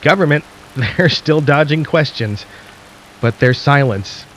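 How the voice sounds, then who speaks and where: A man playing an anxious, ominous radio host in a radio drama, addressing listeners haltingly as the world ends. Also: on the high side, lively intonation, a bit bright, a little hiss or hum, low-quality recording. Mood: grim, uneasy. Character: anxious late-night radio host broadcasting through an apocalypse.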